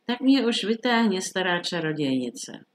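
A woman's voice: fairly low pitch, expressive, natural voice. Woman doing a brash young soldier. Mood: demanding. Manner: brash, exclaiming.

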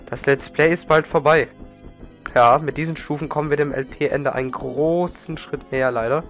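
A man's voice: on the high side, steady tone, normal speed, a bit bright. A man with a slight head cold giving casual, rambling video game commentary as a let's play host. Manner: informal, rambling, repeats words. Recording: game music behind. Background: video game music.

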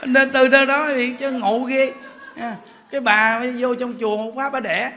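A man's voice: very high voice, flat delivery, normal speed, sharp tone. A man with a Southern Vietnamese accent, a Buddhist monk giving a humorous storytelling sermon. He jokes, chats and repeats words as he builds a point.

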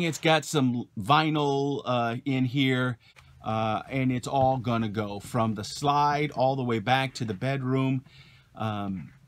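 A man's voice: medium pitch, no echo. Man chatting casually inside a motorhome. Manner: relaxed, many "uh" fillers, upbeat sign-off. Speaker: vlogger. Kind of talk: casual vlog talk to camera. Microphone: camera mic at close range.

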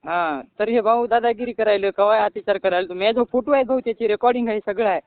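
Brief: distressed male caller over a phone line, high and fast, pleading and rambling. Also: no room sound. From Maharashtra. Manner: pleading, repeats "bhau" often, rambling. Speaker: caller asking for help. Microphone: phone call.

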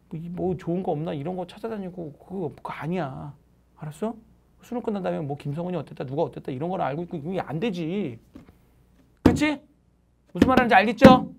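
Husky, emphatic woman math tutor. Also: fairly low pitch. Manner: nagging, emphatic, swings from loud to whispering. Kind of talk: motivational talk to students.

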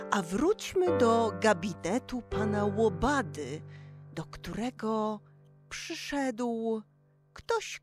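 A woman narrating an improvised children's radio play as its storyteller. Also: mid-range voice. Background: piano music.

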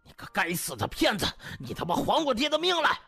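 A man voicing a hot-headed, grieving son who shouts accusations in a comic audiobook. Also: very high-pitched, huge pitch swings, fast, gravelly, breathy edge, faint music behind, pitched above the performer's own voice, full character voice. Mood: enraged. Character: enraged, grieving son of a patient, shouting for vengeance.

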